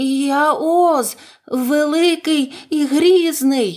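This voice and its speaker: A woman performs a shaky, put-on character voice, high in pitch and delivered at a very slow pace. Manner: trembling, frightened.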